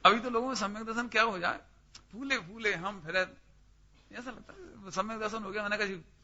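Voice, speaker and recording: A man's voice: high-pitched, normal speed, bright, forceful tone. A man teaching a scripture study class, questioning his listeners by name and pressing each point emphatically. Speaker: religious teacher. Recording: dull lo-fi recording.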